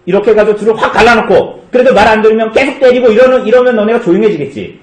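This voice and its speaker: A male pastor giving a children's sermon, asking the kids questions and answering them in a lively way. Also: sits high, very fast, roomy sound. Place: church.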